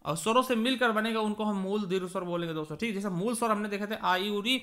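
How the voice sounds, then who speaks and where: A young male teacher with an eastern Uttar Pradesh Hindi accent leads an exam-prep grammar lesson in a high, bright voice. He asks his own questions and answers them at once. He repeats points and stretches sounds to show them. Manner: addresses listeners as friends, drawn-out examples.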